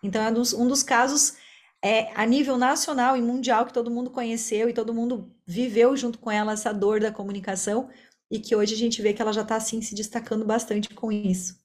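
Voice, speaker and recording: A woman's voice: a little high, steady tone, brisk. A Brazilian woman speaking as an interview guest, a speech therapist explaining her work in a talkative, conversational way. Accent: Brazilian Portuguese.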